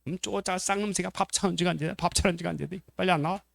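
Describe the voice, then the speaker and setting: This is a scolding housewife, shrill and cursing under her breath as she calls her family to the table again and again, voiced by a man in the middle of a sermon. The pitch climbs high and the sound is close and dry with no room around it. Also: fairly even intonation, very fast, creaky, fairly bright tone, no room sound. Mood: grumbling. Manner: shrill scolding, grumbling curses. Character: nagging angry housewife calling family to dinner.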